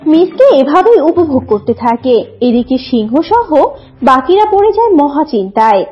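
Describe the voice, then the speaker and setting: A woman's voice: high-pitched, big pitch swings, normal speed. A woman narrating a scripted cartoon story. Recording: dull lo-fi audio, music behind.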